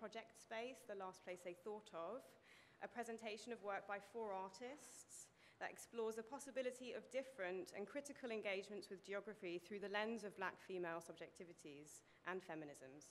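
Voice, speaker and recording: Light background noise sits under a fairly quick delivery with ordinary pitch variation. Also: woman. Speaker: speaker. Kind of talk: formal introduction. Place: hall. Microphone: podium.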